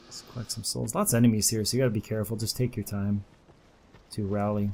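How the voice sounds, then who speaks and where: A man talks at a very fast pace in a somewhat breathy voice with a dark, mellow tone and monotone, flat intonation. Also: long, frequent pauses. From Canada. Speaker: gaming video creator. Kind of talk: let's play commentary. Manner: casual, relaxed.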